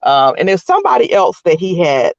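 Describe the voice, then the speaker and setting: A man's voice: high voice, huge pitch swings, fairly quick, gravelly, no room sound. A polite, agreeable man calling in to a casual talk show. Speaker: caller. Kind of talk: casual call-in chat. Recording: dry lo-fi call audio.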